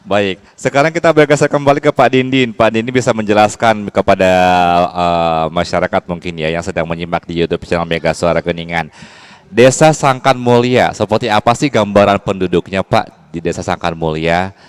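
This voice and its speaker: Smooth deep-voiced male talk show host. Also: brisk. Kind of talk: radio talk show interviewing.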